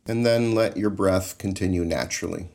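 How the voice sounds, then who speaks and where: A man leading a guided Christian meditation in a calm, soothing, measured way. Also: low-pitched.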